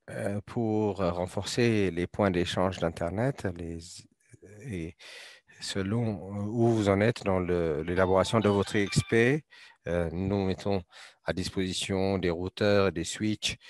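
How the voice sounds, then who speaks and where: A man working as a live interpreter at a panel discussion, speaking in a halting, hesitant way with repeated words. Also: low voice, dry recording, studio quality. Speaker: simultaneous interpreter.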